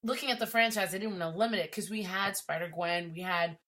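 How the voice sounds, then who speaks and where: Animated laughing woman podcast guest. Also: on the low side. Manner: animated, laughs often, quick asides. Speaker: podcast guest, entertainment writer. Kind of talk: casual chat.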